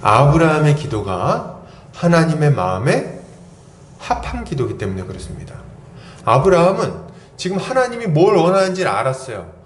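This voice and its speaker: A man's voice: on the high side, huge pitch swings, moderate pace, slight background noise. A man in his forties preaching a sermon as pastor, conversational, asking the congregation questions and acting out quoted voices. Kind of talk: expository sermon. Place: church sanctuary. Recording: echoey church hall.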